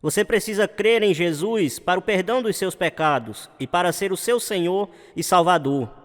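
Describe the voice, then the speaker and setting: Actor as high-voiced evangelist in a reverberant hall. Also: male voice, moderate pace, lightly acted. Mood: earnest, exhorting. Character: earnest male evangelist preaching to a crowd through loudspeakers. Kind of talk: evangelistic sermon. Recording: long hall reverb, like loudspeakers.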